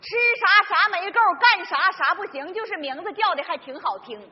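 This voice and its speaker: An actress playing an exasperated middle-aged wife in a stage comedy sketch, nagging with projected, emphatic delivery. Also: female voice, very high-pitched, lively intonation, fairly quick. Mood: exasperated scolding. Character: exasperated, scolding middle-aged wife of a hapless factory worker. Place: large theater stage before a live audience. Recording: echoey theater stage, muffled, noisy audience.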